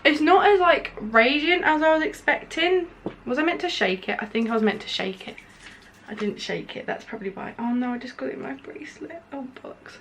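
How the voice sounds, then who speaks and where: A young woman vlogs a casual makeup review at home with the window open, talking briskly in a high, fairly bright voice over a slight hiss or hum. She's congested and nasal, her throat sore from hay fever. Rambling and chatty, she leans on filler "like"s.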